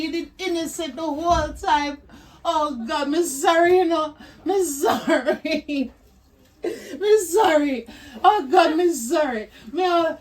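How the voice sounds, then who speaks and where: A high-voiced Jamaican mother, played by a woman, sobbing and pleading in drawn-out patois, her cries repeating over and over. She speaks slowly, and the voice sounds somewhat distant from the mic, as in a homemade web drama. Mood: quiet remorse. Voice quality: wailing, sobbing patois with broken laughter. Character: grieving Jamaican mother, remorseful, overwrought. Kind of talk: amateur web drama acting.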